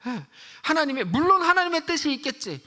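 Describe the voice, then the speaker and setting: Woman preacher giving a sermon, bright clear voice, talks straight to the people with rhetorical questions. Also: sits high, big pitch swings, brisk. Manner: conversational, asks the congregation many rhetorical questions. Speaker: pastor. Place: church.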